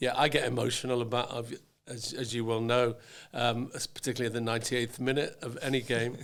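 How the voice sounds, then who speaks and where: A man with a Liverpool accent, medium pitch and monotone, flat intonation, at a very fast pace. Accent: Liverpool (Scouse). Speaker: business district leader. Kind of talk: interview. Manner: halting.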